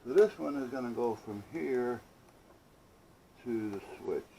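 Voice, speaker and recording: A man's voice: mid-range voice, animated, unhurried, gravelly, dark tone, a little hiss or hum, poor audio. A man chatting casually through a hands-on workshop project, rambling and muttering to himself with playful asides. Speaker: hobbyist maker hosting own workshop videos.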